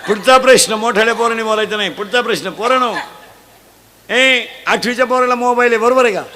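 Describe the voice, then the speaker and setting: Man preaching with a Marathi accent, comic sermon, high voice, faint crowd in the background. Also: fast talker. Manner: shouts questions for children to answer back. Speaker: kirtan preacher. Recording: live event, faint crowd and noise.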